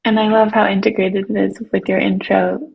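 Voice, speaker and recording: A woman hosting an interview, gentle and encouraging as she asks questions. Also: medium pitch, little pitch movement, brisk, creaky, slightly rough. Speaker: podcast host. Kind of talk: interview host. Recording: slightly muffled lo-fi audio.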